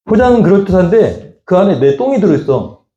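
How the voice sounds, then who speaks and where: Pastor guy preaching, kinda high voice, keeps quizzing the congregation, echoey church. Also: sing-song, fairly quick, warm tone, muffled recording. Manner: fires rhetorical questions at the congregation in casual speech. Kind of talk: sermon. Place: church sanctuary.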